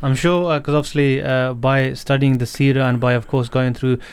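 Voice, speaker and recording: A man hosting a radio interview who speaks in a measured, polite and affirming way. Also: medium pitch, flat delivery, smooth. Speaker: radio host.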